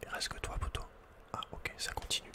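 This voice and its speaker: A man speaks entirely in a soft, breathy whisper. He hosts an ASMR gaming session, murmuring casual running reactions and slangy asides as he plays. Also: a little fast. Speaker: ASMR gaming video host. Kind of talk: whispered ASMR game commentary.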